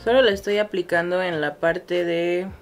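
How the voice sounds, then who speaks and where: A woman's voice: lowish voice, fairly even intonation, moderate pace, soft background music. A young woman with a Mexican accent chatting casually through a makeup tutorial, self-mocking and swearing freely. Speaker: beauty vlogger.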